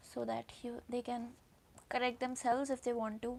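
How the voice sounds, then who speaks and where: A woman's high-pitched voice with an Indian accent and monotone, flat intonation. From India, Delhi. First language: Hindi. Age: 20s. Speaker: book YouTuber and teacher. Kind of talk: casual live-stream chat.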